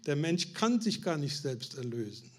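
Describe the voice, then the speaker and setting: A man with a somewhat high voice delivers a sermon to his congregation. He puts questions to them, builds up emphasis and restarts words as he goes. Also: sing-song, moderate pace. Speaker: preacher.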